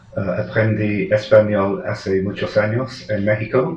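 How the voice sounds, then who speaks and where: A man speaks at a very slow pace with a fairly low pitch. Noticeable background noise and audible room echo are present. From Jersey, Channel Islands. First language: English (speaking Spanish). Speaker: author, psychiatry researcher. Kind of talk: book presentation speech. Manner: halting, many fillers.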